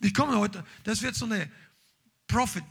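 A man preaching a charismatic sermon to a congregation, emphatic and animated, dropping English words and shouting out exclamations. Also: sits high, unhurried, slightly rough. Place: church hall with congregation, streamed online.

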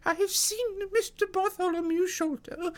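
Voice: very high voice, fairly even intonation, moderate pace, voice pushed up. A narrator voicing a thin old housekeeper, frightened, tearful and devoted, in an audiobook story. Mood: anxious, pleading. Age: older. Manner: tearful, repetitive, fretful pleading.

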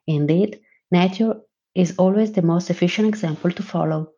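A woman presenting a podcast episode, reading her introduction in a measured way. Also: on the low side, dark tone. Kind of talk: read introduction. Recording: slightly dull recording.

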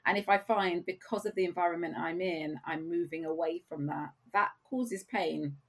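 A woman guest on an interview podcast, a career coach, explaining her views in a measured way with rhetorical questions. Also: fairly low pitch, breathy edge. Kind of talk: conversational interview.

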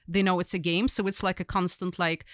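A woman's voice: on the low side, level tone, brisk, dry recording, clean studio sound. A young woman with a Ukrainian accent, a journalist guest telling her story in casual conversation, rambling with many fillers and restarts.

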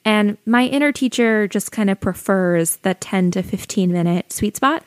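A young adult woman with a soothing voice, hosting her own podcast and calmly giving friendly advice like a teacher. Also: medium pitch, normal speed, no room sound. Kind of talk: solo educational podcast talk.

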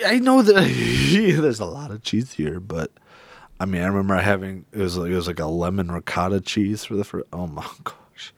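A man chatting casually as a podcast co-host, enthusiastic and quick to laugh. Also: sits low, very animated, vocal fry, no room sound. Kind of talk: casual chat.

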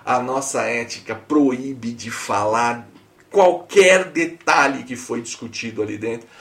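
A man's voice: medium pitch, slow, fairly bright tone, recorded from a distance. A man with a Brazilian Portuguese accent hosts a coaching podcast, speaking emphatically and straight to the listener. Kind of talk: podcast monologue.

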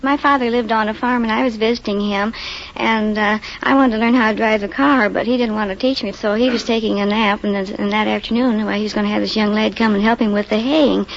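A woman's voice: medium pitch, fairly even intonation, fast talker, vocal fry. A woman from Illinois, a quiz contestant, telling a story in a hesitant, rambling way. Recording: muffled old radio broadcast with faint hiss.

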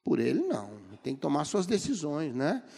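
A man's voice: a little high, wildly swooping pitch, brisk, gravelly, warm tone, breathy edge. A middle-aged man with a Brazilian Portuguese accent preaching a sermon, telling humorous stories and acting out the people he quotes. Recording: long reverb of a large hall.

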